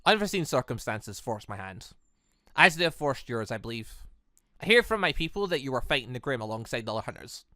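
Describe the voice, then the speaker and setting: A man's voice: medium pitch, sing-song, a little fast, sharp tone, no echo, studio quality, voice pushed down. A man reading the visual novel lines of a menacing, contemptuous young male terrorist leader, terse and haughty. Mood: cold, suspicious. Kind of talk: reading visual novel game dialogue in character.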